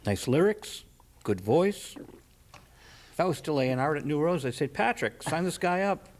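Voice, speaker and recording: A man hosting a casual interview, talking conversationally with a halting delivery. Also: fairly high pitch, sing-song. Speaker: interviewer, host. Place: community access TV studio.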